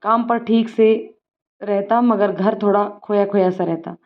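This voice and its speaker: A woman reading a scripted story in a calm, steady way. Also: medium pitch, measured pace. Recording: dull lo-fi recording.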